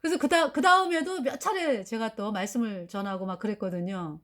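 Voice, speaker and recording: A middle-aged woman telling a personal faith testimony, animated, acting out dialogue and laughing often. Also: on the high side, a little fast. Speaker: church member giving testimony.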